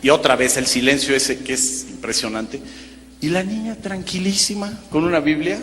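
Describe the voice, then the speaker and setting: A Mexican man with a high, bright voice tells his story to a crowd in a self-mocking way. His words carry a long echo from a big hall. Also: moderate pace, faint music behind. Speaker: broadcaster giving a personal testimony. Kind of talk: humorous testimony storytelling to an audience.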